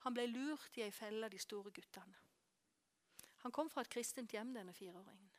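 A woman preaching a sermon, telling a story with animation and dropping to hushed whispers for emphasis. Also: fairly high pitch. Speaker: preacher and course teacher.

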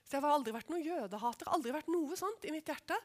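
A middle-aged woman with a high voice preaches a personal testimony. She tells it as a lively story and keeps checking that her listeners follow along. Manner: animated storytelling, asks listeners "skjønner du?". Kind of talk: testimony sermon.

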